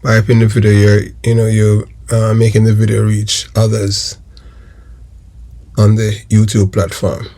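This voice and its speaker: A man's voice: on the low side, completely flat delivery, measured pace, mellow. A middle-aged man with a Jamaican accent, a former detective delivering emphatic, repetitive political commentary straight to his viewers.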